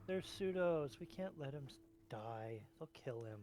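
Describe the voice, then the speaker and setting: A man's voice: medium pitch, expressive, a little slow, a crowd in the background. A man playing in a tabletop game, given to dramatic groaning asides. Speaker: player.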